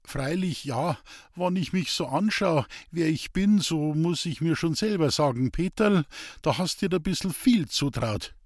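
Man voicing a simple Bavarian peasant woodcutter, storybook, raised husky voice, earnest. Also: fairly high pitch, expressive, a little slow, dry recording, clean studio sound, voice pushed up. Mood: earnest, pleading. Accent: Bavarian dialect. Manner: eager, pleading, naive. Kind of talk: audiobook character voice.

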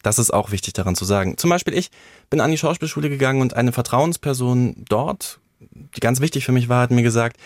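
Brief: male actor, personal storytelling, mid-pitch, dry close sound. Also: fairly quick, no room sound. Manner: reflective, tells stories with acted-out quotes. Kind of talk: candid personal conversation.

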